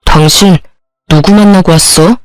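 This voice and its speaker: A man's voice: high-pitched, steady tone, measured pace, dry recording, soft background music, rough recording. A woman voicing a cheating husband who bluntly accuses his wife. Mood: accusing.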